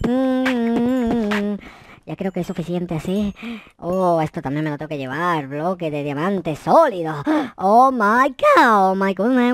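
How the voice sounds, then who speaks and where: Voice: medium pitch, a bit bright, no echo. A gaming host giving theatrical, exclamatory commentary with roleplay and plenty of slang.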